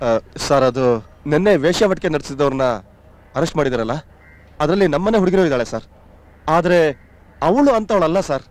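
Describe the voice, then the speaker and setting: An actor playing a loyal, earnest son-in-law who calms and pleads for the family. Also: male voice, on the high side, a little fast, long pauses, slight background noise, lightly acted. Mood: polite. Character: loyal young son-in-law, calm and reassuring.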